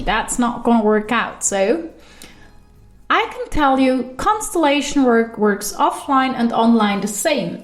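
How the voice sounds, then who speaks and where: A woman with a Swiss German accent hosts her own podcast as an intuition coach, speaking alone and with real animation. Her pitch jumps up quickly whenever she wants to stress a point.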